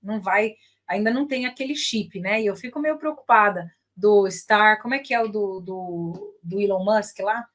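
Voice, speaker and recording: A woman's voice: mid-range voice, moderate pace, hardly any pauses, a bit bright. A woman with a Brazilian Portuguese accent, an English teacher chatting casually with viewers, full of tag questions and switching into English phrases.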